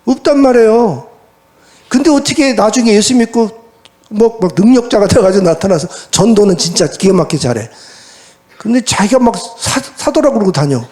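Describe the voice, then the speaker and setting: A male pastor delivers a sermon at a church service, his voice sitting high for a man. He talks in a lively, everyday way and keeps asking the congregation rhetorical questions. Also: normal speed.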